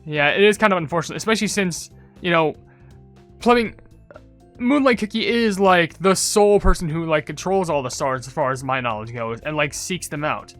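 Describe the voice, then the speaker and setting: A man's voice: a little high, moderate pace, fairly bright tone, soft background music. A young man giving casual, rambling gaming commentary, thinking aloud as he goes. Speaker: gaming video creator.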